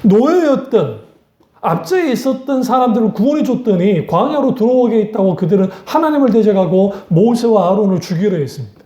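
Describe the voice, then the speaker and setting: A woman's voice: mid-range voice, lively intonation, fairly quick, warm tone, echoey room. A woman pastor preaching a sermon in a blunt, conversational way, asking her congregation rhetorical questions. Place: church sanctuary.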